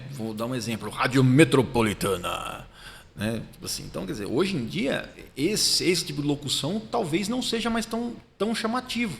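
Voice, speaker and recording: A man speaks in a fairly high pitch, his voice making very wide pitch swings. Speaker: radio announcer. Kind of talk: casual podcast interview. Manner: fast; natural, informal.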